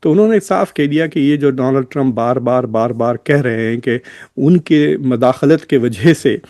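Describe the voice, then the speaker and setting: A man's voice: medium pitch, moderate pace, a little mellow, no room sound, studio quality. A man with an Indian accent giving informal political commentary as host, switching often between two languages as he addresses his viewers. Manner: code-switches between Hindi and English.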